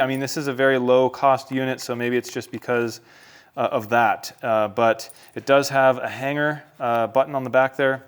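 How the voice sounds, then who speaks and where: A man's voice: mid-range voice, clean tone. Casual American man presenting a how-to vlog. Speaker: vlogger reviewing a product. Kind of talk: casual unboxing and how-to talk to viewers.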